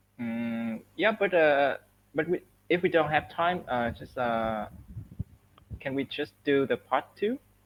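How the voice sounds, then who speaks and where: Speaking very slowly with long, frequent pauses, a man uses lively intonation. His fairly high-pitched voice carries a Vietnamese accent. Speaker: English student. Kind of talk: exam practice. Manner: halting.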